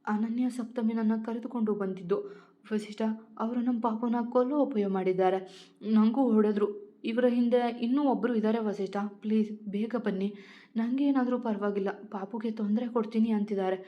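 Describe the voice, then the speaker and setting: A woman's voice: a little high, fairly even intonation, normal speed, lightly acted. A woman voicing a frightened, pregnant young wife who pleads through tears, in a dull lo-fi recording. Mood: pleading. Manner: pleading, breathless string of words. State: crying.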